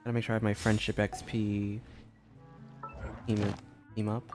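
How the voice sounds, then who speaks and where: A man's voice: fairly low pitch, monotone, moderate pace, a little mellow. A man casually thinking aloud as he gives live commentary on a game he is streaming. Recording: game music behind the voice.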